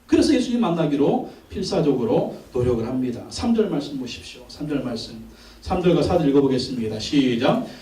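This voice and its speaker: A man's voice: mid-range voice, sing-song, fairly quick, warm tone. A male pastor preaching a sermon in a church, emphatic, often calling out to the congregation and acting out quoted voices. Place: church sanctuary. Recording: echoey church from far off.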